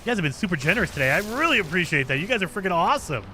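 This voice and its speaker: Lively bright-voiced male game streamer. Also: rapid-fire, a little hiss or hum. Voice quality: higher-pitched voice for a man. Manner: chatty, lively, self-deprecating. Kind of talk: live gameplay commentary, reading chat.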